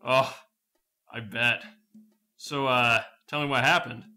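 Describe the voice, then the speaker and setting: A man's voice: mid-range voice, fairly even intonation, slow, pushed and bright, faint music behind. An actor playing a wry, slightly awkward male detective in a sci-fi radio drama, dry and hesitant.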